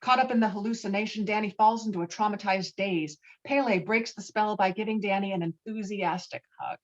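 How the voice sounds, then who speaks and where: A woman's voice: medium pitch, a little fast. A lo-fi, slightly muffled online recording of a woman narrator. She reads film stage directions in a mid-range voice, as scripted narration at a table read. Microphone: online call microphone.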